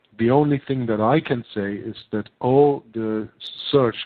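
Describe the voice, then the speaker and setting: Speaking in a German accent, a man holds a medium pitch with monotone, flat intonation. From Germany. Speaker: YouTube researcher on religion and conspiracy. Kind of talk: podcast interview monologue. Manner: hesitant, many fillers. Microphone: humming and buzzing on the line.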